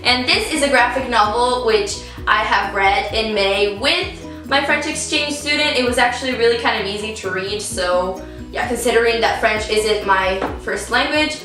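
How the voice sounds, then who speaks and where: A woman's voice: on the high side, moderate pace, sharp tone. A teenage girl with an Italian accent, chatting bubbly and directly to her viewers about books she bought. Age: teens. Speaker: book vlogger. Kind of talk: casual book haul chat. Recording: echoey room, distant mic, faint music.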